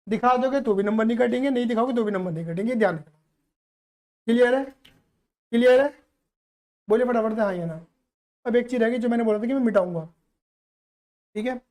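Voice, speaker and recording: A man's voice: extremely high pitch, darkish tone. A man teaching accountancy to a live class, playful and teasing as he keeps quizzing the students.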